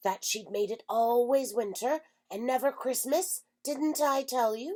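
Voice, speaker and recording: A woman puts on a high-pitched character voice. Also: fairly slow pace. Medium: read story. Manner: excitable, bad grammar when excited.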